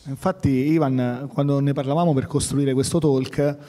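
A man moderating a festival panel, calmly retelling an earlier conversation. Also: mid-range voice, moderate pace. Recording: reverberant hall.

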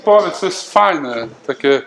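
Brief: male pastor, informal and warm, prays aloud and calls people forward by name. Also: a little high, expressive, a little slow, creaky, slight background noise. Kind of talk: leading prayer and closing a seminar. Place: church gathering.

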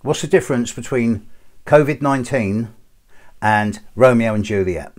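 A man's voice: mid-range voice, normal speed. A middle-aged man, an astrologer, chatting casually to his viewers and telling jokes with relish. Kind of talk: casual chat to camera.

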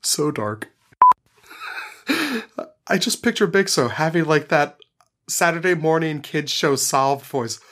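A man's voice: fairly high pitch, slow pace, pauses often, fairly bright tone. Stammering, giggly man. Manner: stammering, giggly, self-interrupting. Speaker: tabletop game player. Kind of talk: casual banter at a recording session.

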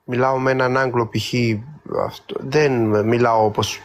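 A man chatting as a guest on a live stream, speaking hesitantly with pauses and fillers. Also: medium pitch, flat delivery. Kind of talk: casual chat.

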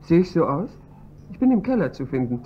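An actress playing a cool, probing chief pharmacist in a radio drama. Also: female voice, deep voice, big pitch swings, a little fast. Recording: dull lo-fi recording, faint hiss.

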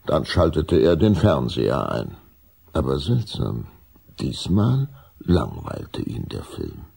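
A man with a gravelly voice narrating a children's audio drama in scripted storybook style. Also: rumbling low, wildly swooping pitch, takes it slowly, dark tone.

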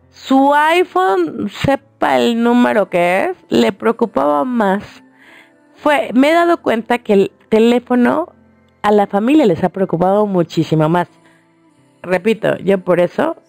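Mexican lady on the radio just chatting away, kinda gravelly voice, soft music under it. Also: medium pitch, dry recording. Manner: chatty, colloquial, addresses listeners directly. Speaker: radio show host. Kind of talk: casual storytelling monologue.

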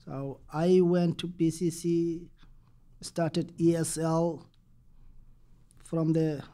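A young man from Somalia giving a panel talk in second-language English. He speaks very slowly with pauses and restarts. His voice sits fairly high but sounds soft and dark. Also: little pitch movement. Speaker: panel presenter. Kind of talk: panel presentation.

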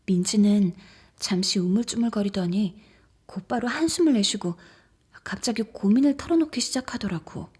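An actress playing a frightened young woman who recounts a ghost story in an intimate, suspenseful audio drama style, conversational and at times hushed. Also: medium pitch, moderate pace, slightly rough, natural voice. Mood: hushed, uneasy. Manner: conversational, suspenseful, drops toward hushed whispers. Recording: background music under the voice.

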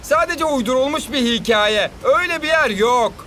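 A man's voice: extremely high pitch, expressive, moderate pace, bright, forceful tone, full character voice. A man voicing a worried, sensible young footballer in a cartoon dub. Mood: skeptical. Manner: skeptical, fretful. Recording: studio dub with music behind.

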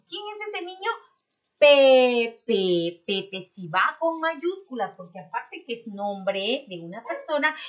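Peruvian woman, preschool teacher, bright and a bit high, slow patient sing-song class delivery. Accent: Peruvian Spanish. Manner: slow, sing-song sounding out of syllables for small children. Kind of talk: recorded remote class for young children.

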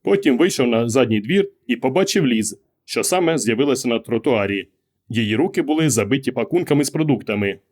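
A man narrating a short story as an audiobook in a calm, measured way. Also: mid-range voice. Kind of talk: scripted narration.

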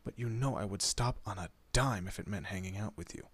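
A man's voice: lowish voice, a little fast, fairly bright tone, slightly rough. A man playing a teasing, protective monster detective in a horror roleplay audio, talking casually to his human partner. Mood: teasing, bickering. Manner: casual, teasing, muttered asides. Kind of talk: horror roleplay audio drama, addressing the listener.

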